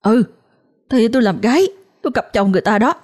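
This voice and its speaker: A woman putting on a sobbing, shrill young daughter. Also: animated, quick pace, a little mellow. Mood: defiant. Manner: shrill, pleading then defiant. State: crying.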